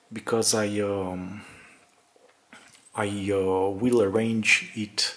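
A man with a slightly low voice talks through a casual, unscripted vlog. His delivery is very slow and halting, and he often searches for the next word as he narrates from behind the camera. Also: fairly bright tone. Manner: hesitant, halting, searching for words. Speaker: vlogger showing an apartment renovation. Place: indoors in an empty apartment under renovation.

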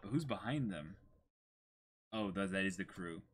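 A man in his twenties hosting a manga reading, chatting casually with animated, informal asides. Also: low voice, moderate pace, slight background noise. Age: 20s. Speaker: host reading manga aloud with a friend. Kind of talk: casual chat between dramatic reading. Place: small indoor room in front of a backdrop.

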